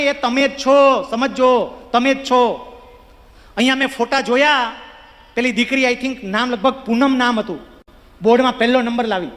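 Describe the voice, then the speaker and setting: Very high-voiced man with emphatic speech. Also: fairly bright tone. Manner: emphatic, repeats key phrases, addresses audience directly. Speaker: motivational speaker. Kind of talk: motivational speech to students. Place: large hall with live audience. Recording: long hall reverb.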